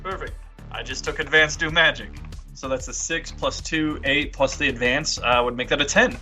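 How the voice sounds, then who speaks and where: A man's voice: on the high side, normal speed, bright, forceful tone, soft background music. A man playing in a tabletop roleplay game, chatting casually and speaking for his character. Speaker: player in a tabletop roleplay podcast.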